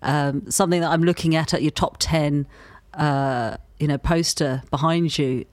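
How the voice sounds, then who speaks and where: Architect guest, mid-pitched, halting, filler-heavy, dry close sound. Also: steady tone, dry recording. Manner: hesitant, many fillers. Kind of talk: interview answer.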